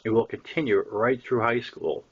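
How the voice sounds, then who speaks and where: An older man reads a first-person audiobook in a Boston accent. His voice is husky and sits at a middle pitch for a man. The recording is a little dull and lo-fi. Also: lively intonation, normal speed. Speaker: author reading his own novel.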